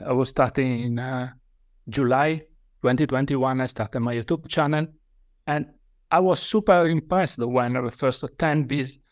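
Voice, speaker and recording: A man's voice: mid-range voice, no room sound, studio quality. Italian man with a hesitant accent. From Italy. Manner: hesitant, many fillers and restarts. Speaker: guest author. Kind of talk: podcast interview.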